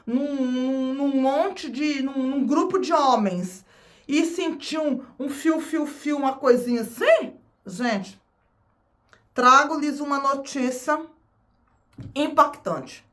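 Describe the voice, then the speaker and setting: Brazilian-accented woman vlogger, high pitch, casual and talkative to camera. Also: takes it slowly, a bit bright. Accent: Brazilian Portuguese. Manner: chatty, repeats phrases, addresses viewers as "gente".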